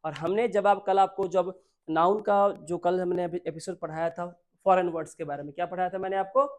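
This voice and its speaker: Indian guy teaching grammar for exams, keeps asking the class questions, reads english lines out real slow. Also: sits high, steady tone. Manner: explains slowly, repeats points, quizzes students with questions; reads English sentences word by word, slowly. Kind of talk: exam-prep English grammar lesson.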